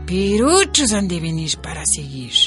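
A woman's voice: fairly low pitch, wildly swooping pitch, normal speed, soft background music. A woman playing a steadfast ageing Indigenous leader in a radio drama. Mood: defiant.

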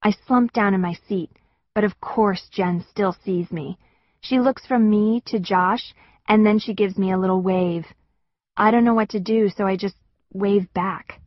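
A woman narrating an audiobook in the first person with an expressive, wistful storytelling manner. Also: mid-range voice, unhurried, dry recording, highs cut off.

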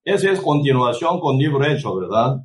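A man's voice: mid-range voice, sing-song, normal speed. A man preaching a sermon who tags nearly every phrase with a questioning "right?", restarts words and cites scripture by chapter and verse. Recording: voice distant from the microphone.

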